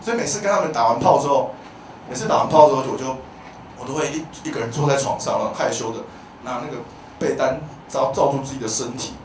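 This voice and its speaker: A man in his thirties with a Taiwanese Mandarin accent doing a stand-up comedy set on a club stage, animated and given to loud shouted bits. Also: medium pitch, quick pace. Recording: echoey club sound from a distance, audience noise.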